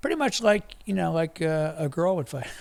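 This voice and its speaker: On a very clean recording with a silent background, a somewhat breathy man with an American accent speaks at a moderate pace. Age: 60s. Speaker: fitness coach and jiu-jitsu instructor. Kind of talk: podcast interview.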